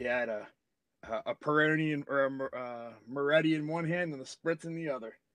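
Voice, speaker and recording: A normal speaking voice from a man with an American accent, fairly high in pitch, ordinary pitch variation, moderate pace, and a dry, close sound with no echo. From Delaware, US. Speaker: record label owner. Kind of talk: casual chat.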